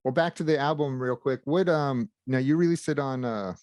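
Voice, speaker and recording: Male interview host, mid pitch, dry close sound, brief questions. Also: normal speed, a little mellow, no echo. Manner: brief, with short backchannel replies. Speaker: podcast host.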